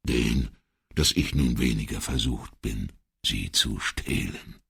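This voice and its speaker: Picture an old jewel dealer, a talkative expert who takes his time, read by a man in an audiobook. The voice sits extremely low and gravelly, with a husky edge. He lectures in a slow, measured way. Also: a bit bright, heavily acted. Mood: dry. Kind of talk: audiobook character reading.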